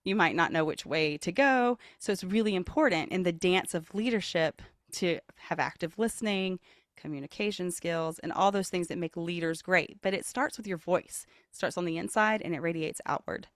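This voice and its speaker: A woman's voice: moderate pace, no echo, clean studio sound. A woman vocal leadership coach, a podcast guest, who speaks in an earnest, motivational way and jumps into playful voices to demonstrate. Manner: expressive, demonstrates voices with big pitch jumps. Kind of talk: podcast interview.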